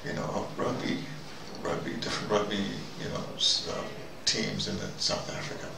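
An older man records a video diary, delivering a rambling, conversational opinion monologue to camera. He digresses, muses, and often asks himself questions in a fairly low, gravelly monotone at normal speed. The recording is roomy, with a distant mic and noisy ambient background.

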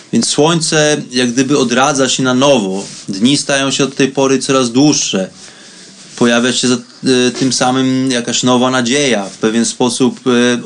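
A man's voice: mid-range voice, slight background noise. Reflective man hosting a spirituality show. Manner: conversational, addresses the listener directly. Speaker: host of a spirituality radio show. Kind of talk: reflective solo monologue to listeners.

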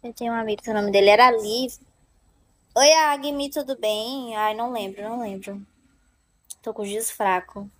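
A woman's voice: a little high, steady tone, moderate pace. A young woman hosting a casual live stream, chatting playfully with viewers and laughing often. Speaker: livestream host.

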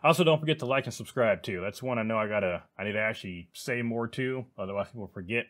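Guy rambling about old games on his channel, lowish voice, lots of ums. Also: fast, fairly bright tone. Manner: rambling, many fillers and restarts. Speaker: gaming channel host. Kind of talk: casual video commentary.

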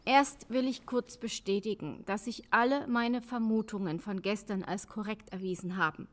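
Woman acting as weary female pathologist for crime audio drama: precise, matter-of-fact, mid-pitched. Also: fairly even intonation, moderate pace, lightly acted. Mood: tired, businesslike. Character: tired, brisk female forensic pathologist.

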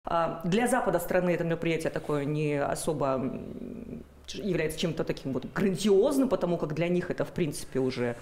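A woman's voice: sits low, a little fast, a little mellow, a little hiss or hum. A woman in her thirties hosting a conversational studio interview on television. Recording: roomy studio sound.

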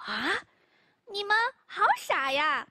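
A woman's voice: high-pitched, very animated, takes it slowly, pushed and bright, no room sound, studio quality, heavily acted. A woman doing a cheeky fearless little boy. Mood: playful. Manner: playful, teasing, sing-song rhymes.

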